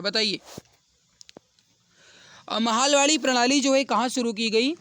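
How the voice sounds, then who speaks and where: A man's voice: very high-pitched, fairly bright tone, no room sound, studio quality. A man teaching an online exam-prep lesson, addressing students directly, repeating key points and adding frequent check-in tags.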